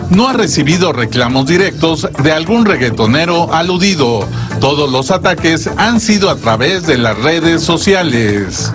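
A man's voice: a little high, sing-song, music in the background. Formal male entertainment news voice-over. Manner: measured, formal. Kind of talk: scripted news narration.

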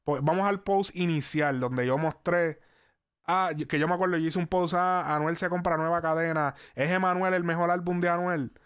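A man's voice: on the high side, steady tone, moderate pace, a bit bright, clean tone. A man hosting a casual chat, rambling and restarting his sentences, swearing casually.

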